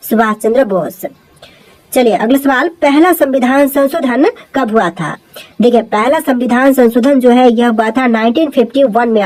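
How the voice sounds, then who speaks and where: A woman from India with a Hindi accent presents a quiz, reading out questions and answers and repeating each answer in a steady, explanatory way. Her voice is on the high side, and the audio quality is poor.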